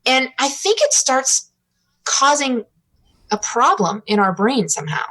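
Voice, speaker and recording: A podcast co-host talks in a high, very animated, bright and forceful voice at a measured pace, though the audio quality is poor. In this casual conversation she reflects and hedges, frequently starting over with "I mean."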